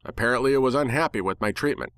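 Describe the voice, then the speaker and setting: Male narrator, dramatic story reading, sardonic, irreverent, medium pitch, dry sound. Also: fast talker, a bit bright, clear, resonant tone, no echo. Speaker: narrator reading fan fiction.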